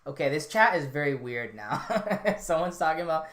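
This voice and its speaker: A man's voice: fairly high pitch, normal speed. Casual rambling man in an echoey room. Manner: relaxed, rambling, many fillers and restarts. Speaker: podcast host reading live chat. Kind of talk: casual livestream chat. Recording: roomy echo.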